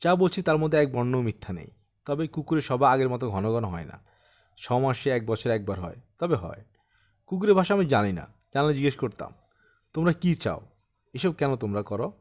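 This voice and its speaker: A man's voice: mid-range voice, animated, moderate pace, close to an everyday voice. Audiobook role: troubled man of sixty-seven, self-deprecating yet insistent, telling his eerie tale, played by a male reader. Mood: agitated, insistent. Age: 60s. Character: troubled 67-year-old man recounting his eerie haunting. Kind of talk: dramatised audiobook storytelling.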